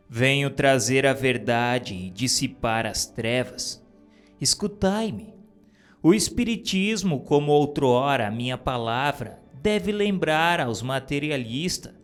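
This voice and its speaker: A man voicing a solemn divine male spirit who preaches in a grave, measured, declamatory way, with faint music underneath. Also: medium pitch. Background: soft music.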